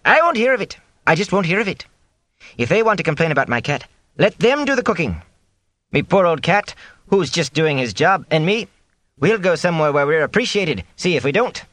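Male reader doing a plump, sharp-tongued inn cook, high-pitched, folksy and scolding. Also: big pitch swings, brisk, no room sound. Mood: indignant. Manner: scolding, folksy dialect speech.

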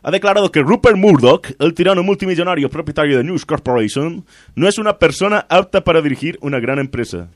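A man hosting a comedy show, delivering satirical news commentary in a sardonic, deadpan way. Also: fairly high pitch, fast. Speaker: host.

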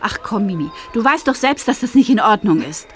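A woman's voice: mid-range voice, lively intonation, a little fast, soft background music, close to an everyday voice. A woman playing an outspoken, protective teenage schoolgirl in a radio play, talking in a direct and indignant way. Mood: confrontational.

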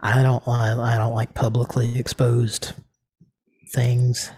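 A man hosting a casual comedy talk show, rambling with deadpan crude jokes. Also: medium pitch, slow, husky, no echo. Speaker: host.

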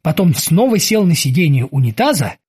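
Husky woman narrating an audiobook. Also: deep voice, very animated, normal speed, darkish tone.

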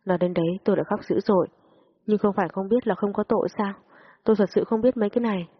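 A woman's voice: steady tone, very fast, breathy edge, dull audio. A woman voicing a frightened young woman who pleads while crying, her voice rising. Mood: tearful pleading. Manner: pleading, higher and tearful. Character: frightened young woman under police questioning.

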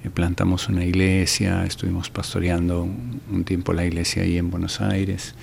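Older Argentine man, very low gravelly voice, halting radio-interview guest, faint hum behind. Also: level tone, darkish tone. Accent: Argentine Spanish. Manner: hesitant, many fillers and restarts. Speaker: ministry director and guest. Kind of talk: radio interview, relaxed storytelling.

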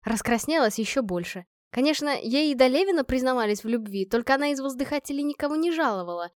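An audiobook narrator, a calm woman with a high voice, reads a story aloud at a quick pace. The scripted narration has clean studio sound with no room sound.

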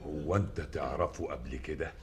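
Very deep fatherly jinn king. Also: fairly even intonation, a little fast. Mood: stately. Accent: Egyptian Arabic. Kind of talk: theatrical drama acting. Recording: roomy echo, faint noise.

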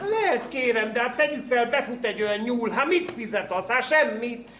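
A smooth-talking gentleman who wriggles out of every reproach. The voice is very high for a man, captured in an echoey old broadcast with clear hiss. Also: lively intonation. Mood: placating. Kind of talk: 1930s radio cabaret acting. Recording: echoey, hissy old radio recording.

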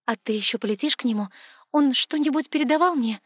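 A woman voicing an anxious, impulsive young heroine in an excitable, questioning manner. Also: fairly high pitch, a little slow, dry recording, clean studio sound. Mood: agitated. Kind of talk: audiobook dialogue.

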